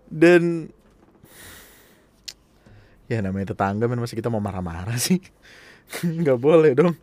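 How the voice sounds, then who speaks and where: A man with hosting a casual podcast, reading a listener's email aloud and chatting in an animated, laughing way with plenty of swearing. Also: mid-range voice, a little slow, no echo. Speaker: podcast host.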